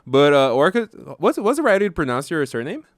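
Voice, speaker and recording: A man's voice: fairly high pitch, big pitch swings, a little fast, no room sound, studio quality. A man with a Brazilian Portuguese accent hosting a podcast, asking enthusiastic, rambling questions full of likes and restarts. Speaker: podcast host. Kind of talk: podcast interview.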